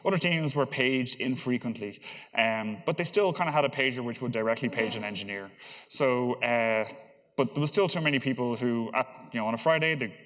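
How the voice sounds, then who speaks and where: A man giving an informal technical conference talk as a speaker, with a halting, hesitant delivery that often repeats words. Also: medium pitch, fairly bright tone. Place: large conference hall, on stage. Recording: reverberant hall sound.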